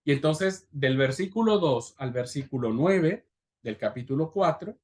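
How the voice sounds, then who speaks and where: A man with a Rioplatense Spanish accent, a pastor teaching a Bible class in a lively way, often asking "right?" and acting out the voices he quotes. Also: on the high side, measured pace.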